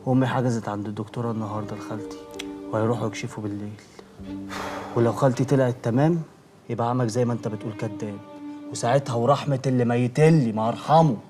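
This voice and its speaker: An actor playing a young man who talks very fast and will not back down, pressing for answers. Faint music sits under this TV drama scene. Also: medium pitch, steady tone, natural voice. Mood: threatening. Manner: insistent, confrontational. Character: young wounded man demanding the truth.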